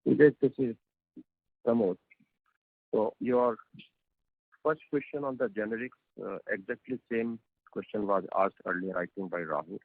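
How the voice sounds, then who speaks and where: An Indian-accented man speaking as a company executive on a conference call, explaining in a measured, halting way with frequent hesitations. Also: fairly low pitch, dry recording. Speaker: company executive answering investor questions. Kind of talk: earnings call answer, explanatory. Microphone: telephone conference call. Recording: tinny, narrow phone conference line.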